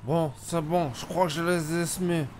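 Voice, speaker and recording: A man playing a rough, excitable gypsy. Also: on the high side, moderate pace, a little hiss or hum. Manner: excitable, swearing, mumbling asides to himself. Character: rough-talking male gypsy job seeker. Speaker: roleplay streamer playing a gypsy character. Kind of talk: GTA roleplay commentary in character.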